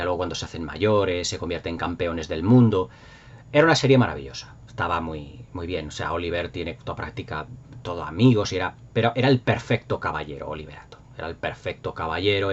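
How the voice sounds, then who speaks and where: A dull, lo-fi recording of a middle-aged man with a fairly low voice and an accent from Spain. He talks as a host in casual, nostalgic commentary, rambling along with enthusiasm and leaning hard on his emphatic points. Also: lively intonation, quick pace, a little hiss or hum. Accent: Spanish from Spain. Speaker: YouTube host. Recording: dull lo-fi sound.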